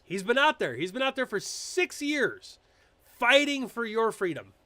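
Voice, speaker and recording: A man's voice: very high voice, unhurried, no room sound. A man hosting a casual political live stream, chatting loosely with fillers and restarts, poking fun at public figures. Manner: animated, mocking impressions, frequent fillers and restarts. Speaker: political commentary host.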